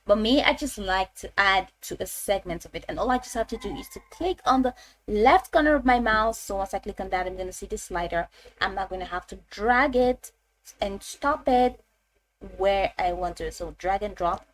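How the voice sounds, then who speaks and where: A woman narrating a step-by-step software tutorial in an informal, instructional way, often repeating her phrases. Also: medium pitch, lively intonation, moderate pace.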